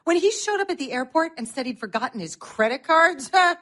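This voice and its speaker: An actress playing an injured middle-aged wife who trades deadpan wisecracks. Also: female voice, high-pitched, brisk. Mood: dry. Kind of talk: comic film acting.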